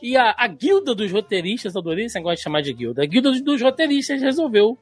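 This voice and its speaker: A Brazilian man in his thirties with a Carioca Portuguese accent co-hosts a casual podcast, explaining at length with tangents and lots of "né" fillers. His high-pitched, husky voice is very animated and quick. Soft music plays in the background.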